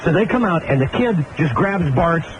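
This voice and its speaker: A middle-aged man, a radio host, telling a long story and getting animated, with laughs and shouts at the high points. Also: normal speed. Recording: dull old radio broadcast tape with hiss.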